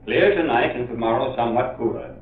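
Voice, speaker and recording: An actor playing a formal, brisk newsreader giving a bulletin over a radio set in an old-time radio drama. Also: male voice, medium pitch. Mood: formal, urgent. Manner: formal, declarative. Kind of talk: 1940s-style radio news bulletin acting. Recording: echoey, muffled, noisy old radio.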